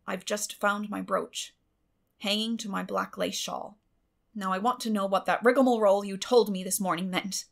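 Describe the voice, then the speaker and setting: A woman voicing a stern, plain-spoken older spinster with a brisk, firm manner in a storybook reading. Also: mid-range voice, steady tone, creaky, natural voice. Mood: solemn. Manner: brisk, firm, matter-of-fact.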